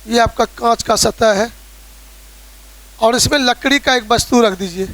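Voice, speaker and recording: A Bihari Hindi accent marks this man from Bihar, India, whose very high, fairly bright voice moves at a measured pace. He's delivering a classroom physics lecture, explaining through everyday examples and regularly checking on his students.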